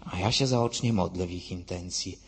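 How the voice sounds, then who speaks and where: A man's voice: deep voice, moderate pace, noisy background. A man giving a preaching talk who retells debates and acts out both sides of the argument. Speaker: Catholic lay speaker. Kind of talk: preaching talk with retold dialogues. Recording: long hall reverb.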